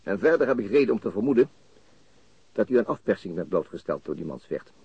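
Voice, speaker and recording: An actor playing a calm, shrewd police detective, measured and understated, in a radio crime drama with muffled sound. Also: male voice, on the low side, husky, heavily acted. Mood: quietly insistent.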